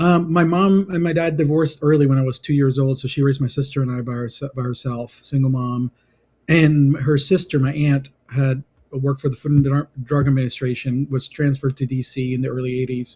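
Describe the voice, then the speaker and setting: Speaking at a fairly quick pace, a man has a fairly high pitch. His tone is dark and mellow, and somewhat breathy. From Puerto Rico, then Northern Virginia from age 11. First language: Spanish. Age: 50s. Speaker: creative entrepreneur. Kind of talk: casual interview. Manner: halting, many restarts.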